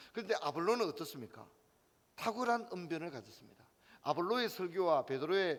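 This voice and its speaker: This man speaks at a fairly quick pace in a high pitch, with very wide pitch swings. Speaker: pastor. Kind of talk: sermon.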